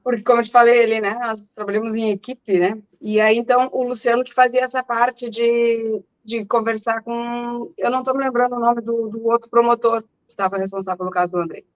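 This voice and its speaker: Guest, middle-aged woman, loud earnest testimony, high voice, lo-fi line. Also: steady tone, dry recording. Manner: talks fast and earnestly, repeats words; self-described loud speaking voice. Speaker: guest, mother. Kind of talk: emotional personal testimony.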